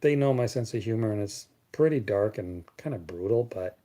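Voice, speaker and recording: A man's voice: fairly low pitch, lively intonation, normal speed, mellow. A man from Canada hosting a casual live Q&A chat, blunt and sarcastic, rambling and repeating words as he talks. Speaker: live stream host.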